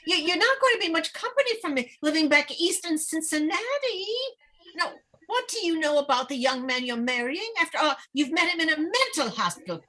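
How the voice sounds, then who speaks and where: Woman playing a fretful, bright-voiced small-town mother. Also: high-pitched, big pitch swings, heavily acted, low-quality recording. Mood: fussing, doubtful. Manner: halting, stammering, rambling. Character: anxious, fretful middle-aged small-town mother, needy and defensive. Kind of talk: dramatic table read of a screenplay.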